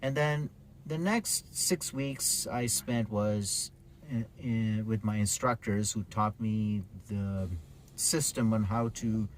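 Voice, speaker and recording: Speaking slowly in a lowish voice, a man in his forties from Pakistan chats and explains things like an interviewed taxi driver; he grew up in Karachi before moving to the UK. The low-quality recording carries slight background noise.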